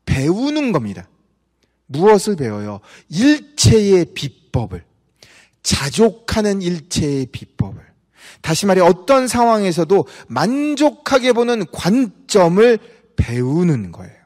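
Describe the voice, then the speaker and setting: A man's voice: high-pitched, sing-song, a little slow, a little mellow. A man preaching a sermon as pastor, telling a story with acted-out dialogue and asking the congregation questions. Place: church sanctuary. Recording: church hall reverb.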